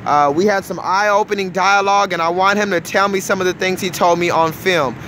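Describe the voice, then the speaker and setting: A man's voice: high-pitched, fairly even intonation, a little fast, sharp tone, a little hiss or hum. A man hosting a casual interview who talks in a friendly way and repeats his guest's answers back to him. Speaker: host.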